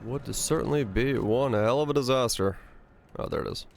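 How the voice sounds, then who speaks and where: A man livestreaming a video game, chatting casually and reacting out loud, with loose swearing. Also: mid-range voice, normal speed, vocal fry. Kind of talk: casual gaming commentary.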